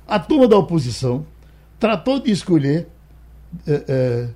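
Man, Brazilian accent, radio host, fairly high mellow voice, casual halting anecdotal delivery. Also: big pitch swings. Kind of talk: casual talk, reading a note aloud.

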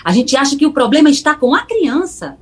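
A woman's voice: high voice, a little fast. A middle-aged woman from Pernambuco with a Northeastern Brazilian accent, explaining child behavior as an interview guest and acting out little scenes of parents and kids. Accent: Northeastern Brazilian Portuguese. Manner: animated, acts out parents and children in quoted dialogue. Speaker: psychologist guest.

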